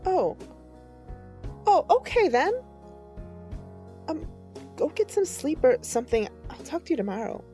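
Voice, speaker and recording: A woman's voice: sits high, very animated, a little slow, long pauses, mellow, soft background music. An actress playing a casual, tentative young woman in an audio drama, a little hesitant. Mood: hopeful, casual.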